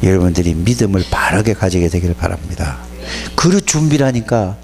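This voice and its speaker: Animated male pastor preaching to youth. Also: low voice, brisk, faint music behind. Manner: animated, scolding, plain-spoken storytelling. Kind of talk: sermon to youth.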